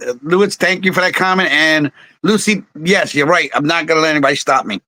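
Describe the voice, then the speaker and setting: A man talks casually as an interview guest. His voice is bright and forceful, a little high, and recorded close and dry. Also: a little fast, dry recording. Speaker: guest musician. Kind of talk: casual live interview chat.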